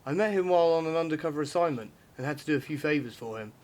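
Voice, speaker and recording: A man playing a brisk, pushy ex-cop turned vigilante in an audio drama, explaining things matter-of-factly. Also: on the high side, expressive, a little mellow, close to an everyday voice. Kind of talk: amateur audio drama acting.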